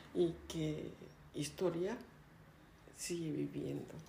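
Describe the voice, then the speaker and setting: Very slow delivery in a Japanese accent, with audible room echo. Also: woman. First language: Japanese (speaking Spanish). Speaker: violinist and music teacher. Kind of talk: interview.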